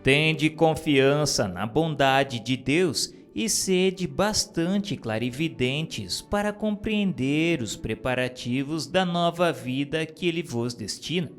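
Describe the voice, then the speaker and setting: A man's voice: a little high, lively intonation, slow pace, few pauses, soft background music. A man giving a solemn, formal reading of a spiritist text aloud, with occasional stumbles over the words. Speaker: reader.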